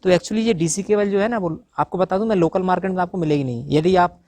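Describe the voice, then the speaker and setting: Fast-talking man explaining solar wiring. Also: sits high, a little mellow, dry recording. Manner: rapid, talks to viewers directly, frequent fillers. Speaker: YouTube tutor on solar installation.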